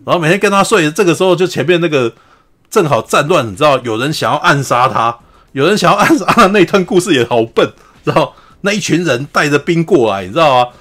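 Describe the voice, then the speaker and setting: A man, hosting a podcast. He retells a drama in a chatty, laughing way, keeps asking "you know?", and acts out the quotes in a higher voice. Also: lively intonation, quick pace, fairly bright tone. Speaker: podcast host. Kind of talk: casual storytelling recap of a TV drama.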